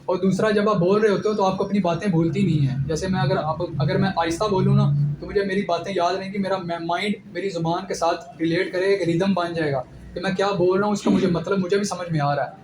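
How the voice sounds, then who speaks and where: A man's voice: high voice, fairly even intonation, fast talker. A young man giving direct, instructive advice in an informal lecture about his selection-board experience. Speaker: ISSB candidate giving advice. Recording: echoey room with clear background noise.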